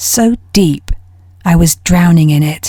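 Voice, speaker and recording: Very slowly, a woman speaks in a fairly low, somewhat breathy voice with a dark, mellow tone. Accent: British. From London, England. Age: 30s. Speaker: voice actor. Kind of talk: audiobook narration.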